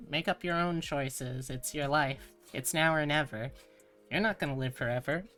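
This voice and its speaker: Over background music, a woman streaming as a VTuber talks to her audience in a relaxed, playful manner full of cute phrasing. She speaks at a moderate pace in a low-set voice with a fairly bright tone.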